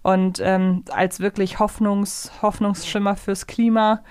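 A woman's voice: mid-range voice, little pitch movement, slow, darkish tone, clear, resonant tone, no room sound. Woman podcast co-host, dry close sound. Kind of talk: conversational review podcast.

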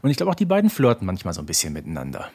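A man's voice: low voice, wildly swooping pitch, very fast, warm tone, husky. A man co-hosting a casual discussion, agreeing and commenting in an emphatic way. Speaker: podcast co-host.

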